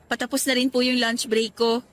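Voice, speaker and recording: A woman playing a sweet, homesick young worker in a radio drama, gentle, polite and earnest. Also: on the high side, little pitch movement, fairly quick, lightly acted. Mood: gentle, resigned. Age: young adult. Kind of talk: Tagalog radio drama acting.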